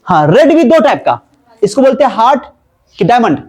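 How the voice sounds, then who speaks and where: A man's voice: very high voice, sing-song, brisk, a crowd in the background. A man teaching a maths class, repeating himself and quizzing his students as he explains. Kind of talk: classroom lesson.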